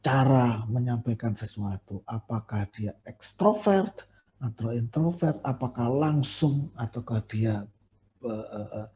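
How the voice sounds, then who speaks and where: In a dull lo-fi recording of a university lecture, a man talks about staff appraisal a little slowly, his medium-pitched, mellow voice showing lively intonation. His style is conversational, full of fillers and self-corrections.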